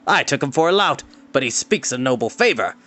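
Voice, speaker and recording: A man reading a storybook aloud and voicing a proud, quarrelsome lord who shouts indignantly. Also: medium pitch, big pitch swings, fairly quick. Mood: amused.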